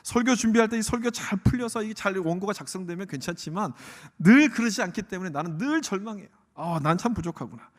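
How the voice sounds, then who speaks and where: A man's voice: sits high, animated, fast, few pauses. A male pastor delivering a sermon, often posing rhetorical questions to the congregation. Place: church sanctuary. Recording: long church hall reverb.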